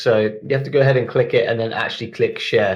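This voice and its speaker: The speaker is a man with an English accent. He talks very fast. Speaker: tech reviewer. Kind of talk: tutorial. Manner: casual, hesitant with many ums.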